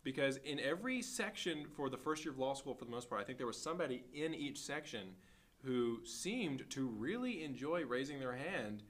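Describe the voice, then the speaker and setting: A man's voice: medium pitch, animated, normal speed, fairly bright tone. A man in his twenties in casual podcast conversation, speaking in a wry, teasing and emphatic way. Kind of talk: casual chat.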